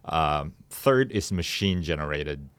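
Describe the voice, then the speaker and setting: A man with a very deep voice explains things as an interview guest. He goes through his points one by one in a conversational manner. The recording is dry, as in a studio. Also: animated, a little slow, fairly bright tone, clear, resonant tone, dry recording. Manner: step-by-step, enumerating points. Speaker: podcast guest, media entrepreneur.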